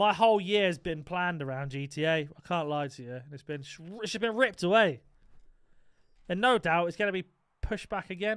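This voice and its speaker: The speech is mumbled but has lively intonation at a fairly quick pace. The recording is very clean, with a silent background. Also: man. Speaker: gaming streamer. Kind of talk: live stream chat. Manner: fast; mumbling.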